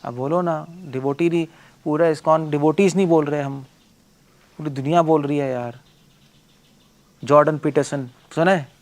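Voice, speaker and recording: A man, a monk and preacher, giving a blunt, forceful lecture, firing rhetorical questions and mixing English words into his talk. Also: a little high, fairly even intonation, unhurried, long pauses.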